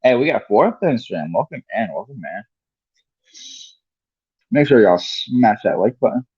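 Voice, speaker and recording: A man's voice: medium pitch, big pitch swings, a little slow, darkish tone, slightly rough, no echo, dull audio. A man reading a story aloud as a livestream host, now and then stumbling over a word and correcting himself. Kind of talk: read-along audiobook narration.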